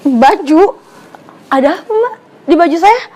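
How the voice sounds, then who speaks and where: A woman's voice: very high-pitched, expressive, measured pace, a little mellow. A woman in her twenties, from Palembang, talking in a sassy, exasperated way in a comedy sketch. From Palembang, Indonesia. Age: 20s. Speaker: comedy YouTuber.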